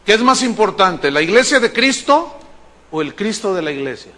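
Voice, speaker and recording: Animated pastor, bright high voice. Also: male voice, moderate pace. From Mexico. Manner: animated storytelling, mimics voices in quoted dialogue. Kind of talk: sermon with acted-out anecdote.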